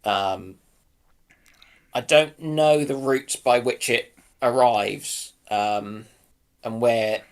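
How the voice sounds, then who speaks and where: A man, chatting casually as a panel guest in a halting, hesitant way. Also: mid-range voice. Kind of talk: casual chat.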